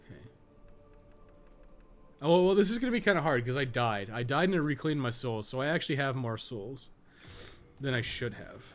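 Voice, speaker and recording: A man's voice: mid-range voice, animated, moderate pace, long pauses. A man giving casual, rambling live-stream game commentary, swearing and joking with his chat as he plays.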